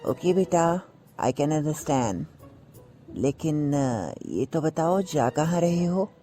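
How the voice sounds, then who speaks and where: An actor playing a nagging older uncle who scolds and teases in a slow, deliberate way. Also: male voice, a little high, animated, warm tone, soft background music.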